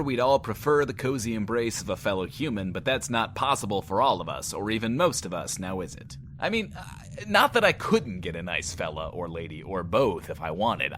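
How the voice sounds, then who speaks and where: An actor playing a swaggering but insecure host of a post-apocalyptic bunker radio show, talking in a pompous, wordy, theatrical way. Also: male voice, lowish voice, fairly bright tone, a little hiss or hum. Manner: pompous, wordy, theatrical, talks of himself in third person. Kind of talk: in-world radio show monologue, audio drama.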